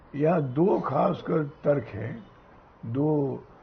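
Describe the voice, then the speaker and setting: Audible room echo is present in this recording. The man speaks at a medium pitch. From Andhra Pradesh / Telangana, India. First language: Telugu (speaking Hindi). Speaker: senior journalist. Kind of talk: TV interview.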